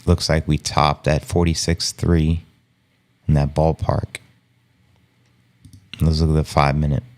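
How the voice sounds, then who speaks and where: A man hosting a live stream, talking in a casual, hushed, low-key way and chuckling often. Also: little pitch movement, a little slow. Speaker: livestream host. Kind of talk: casual live market commentary.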